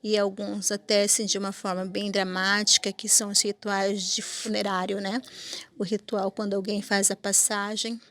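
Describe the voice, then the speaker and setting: Flat-toned Brazilian woman. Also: mid-range voice, moderate pace. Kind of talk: conversational explanation.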